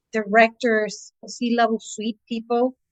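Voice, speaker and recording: A woman speaks at a fairly slow pace with a fairly high pitch. The sound is dry and close, with no echo. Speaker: conflict management consultant and professor. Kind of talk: interview. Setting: podcast.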